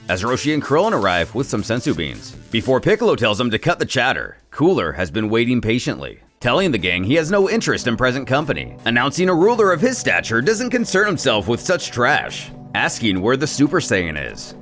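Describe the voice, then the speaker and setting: A male host reads a scripted recap with an animated, storytelling delivery and the odd casual aside. His pitch is mid-range but swings widely. Soft background music plays under his voice. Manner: lively, expressive storyteller with asides. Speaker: channel host.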